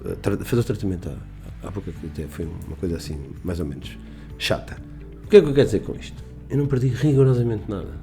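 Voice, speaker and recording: A middle-aged businessman being interviewed on local radio. He talks quickly in a low, dark, mellow voice, rambling and emphatic. Faint music sits under the studio sound. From Portugal. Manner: rambling, emphatic, with restarts and quoted dialogue. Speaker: business owner guest.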